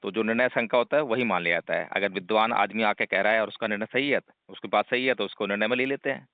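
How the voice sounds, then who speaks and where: A man's voice: fairly low pitch, quick pace. A man who leads a Buddhist group, explaining its rules over a phone line that keeps breaking up and checking in with his listener as he goes. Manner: explanatory, leans on tag questions. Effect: choppy phone line that breaks up. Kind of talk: phone discussion. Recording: dry, narrow phone-line sound.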